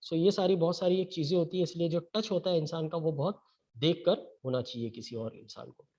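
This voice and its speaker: A man's voice: on the high side, brisk, mellow. A man giving an online training lecture, mixing Hindi and English and often checking in with "okay?". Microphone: webinar computer mic. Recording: dull lo-fi webinar audio.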